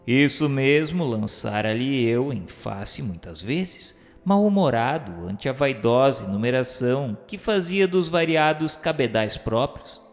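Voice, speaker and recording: A man's voice: medium pitch, animated, a little slow, few pauses. An actor playing a sardonic dead man who recounts his afterlife in theatrical, literary radio novel style. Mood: wry, reflective. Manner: theatrical, mocking, literary diction. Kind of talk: dramatized first-person radio novel narration. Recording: long hall reverb, music underneath.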